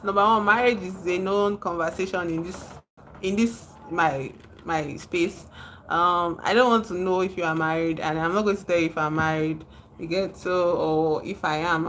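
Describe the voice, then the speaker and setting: A woman's voice: lowish voice, fairly bright tone, a little hiss or hum. A woman from Nigeria with a Nigerian accent, chatting casually on a livestream, reading out and answering viewers' comments and laughing often.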